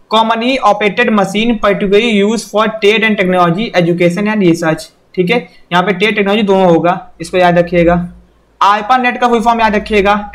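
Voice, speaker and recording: A young man teaching an exam-prep lesson, who keeps repeating "okay" and "remember this" in a direct, instructive way. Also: high voice. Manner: repeats "theek hai" and "yaad rakhiyega" often, direct instructional.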